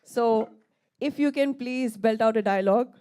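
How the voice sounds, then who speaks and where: A woman's voice: on the high side, moderate pace, dark tone, clear, resonant tone. A woman hosting a press event on stage, compering formally and effusively and addressing guests politely. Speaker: event host.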